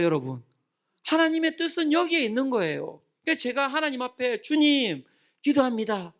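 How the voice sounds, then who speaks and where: A middle-aged male pastor preaching a prayer-meeting sermon, asking the congregation questions and answering them himself. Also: high-pitched. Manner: acts out scolding parents and children.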